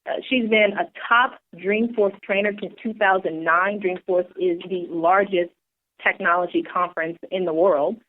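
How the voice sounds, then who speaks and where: An eager woman co-hosts a podcast, earnest and enthusiastic, stumbling now and then on fillers while reading. Her pitch is ordinary for a woman. The audio comes through a narrow, phone-like line. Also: steady tone. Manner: enthusiastic, earnest, a bit halting. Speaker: co-host. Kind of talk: podcast hosting, reading a bio.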